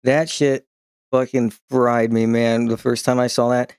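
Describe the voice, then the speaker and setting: A man streaming in a casual chat, telling rambling, profane stories with frequent restarts and chuckling along, who picks up a slight New York twang when he gets excited. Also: mid-range voice, measured pace, clear, resonant tone, no echo, clean studio sound. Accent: slight New York-style twang when excited.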